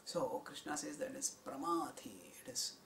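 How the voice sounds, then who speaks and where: A man giving a spiritual discourse on scripture, in a measured, explanatory teaching tone. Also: on the high side, steady tone, gravelly, fairly bright tone, a little hiss or hum. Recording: roomy echo.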